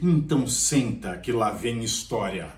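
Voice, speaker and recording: A man's voice: mid-range voice, lively intonation, measured pace, a little mellow, faint music behind. A man with a Brazilian Portuguese accent giving political commentary in a sarcastic, theatrical storytelling style, recorded in an echoey room from a distance. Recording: echoey room, voice far from mic.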